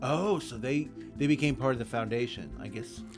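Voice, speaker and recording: A man's voice: medium pitch, music in the background. A man hosting a podcast, casually reading a document aloud, tripping over words and laughing along. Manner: reads haltingly, stumbles over words, laughs often. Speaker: podcast host.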